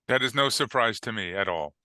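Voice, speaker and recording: A male podcast host asks prepared interview questions in an earnest, measured manner. His voice is very bright and crisp, fairly low, and recorded dry with no room sound. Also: expressive, no echo. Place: podcast studio.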